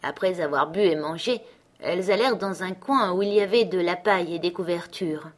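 A woman reading a fairy tale aloud as narrator, in a calm, measured way. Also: fairly low pitch. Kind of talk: storybook reading.

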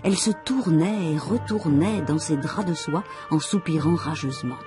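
A narrator reading a fairy tale in an expressive, measured storytelling style. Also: medium pitch. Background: music.

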